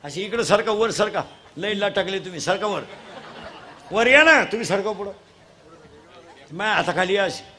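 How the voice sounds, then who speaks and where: High-pitched teasing preacher. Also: male voice, expressive, normal speed, pauses often, a faint crowd. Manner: teasing, quizzing the children and demanding loud answers; bursts into shouts at times. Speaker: kirtan preacher. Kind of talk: comic kirtan sermon to a live crowd. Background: audience sounds.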